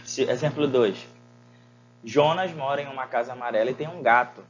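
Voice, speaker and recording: A man's voice: mid-range voice, moderate pace, dull audio, slight background noise. A man teaching a Portuguese lesson, asking his students rhetorical questions and using many fillers. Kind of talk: recorded online lesson.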